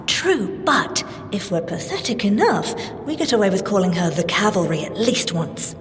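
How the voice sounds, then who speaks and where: An actress with a British accent playing an earnest, prim, easily flustered scientist agent in an audio drama. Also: female voice, mid-range voice, sing-song, moderate pace, natural voice. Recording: long reverb, faint background noise.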